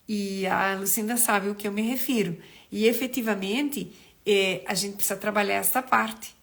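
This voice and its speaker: Her mid-range voice is creaky and a bit bright. She's a middle-aged nutritionist getting over a cold, throat still rough, hosting a casual live stream where she chats with viewers, greets them by name, and rambles with frequent restarts.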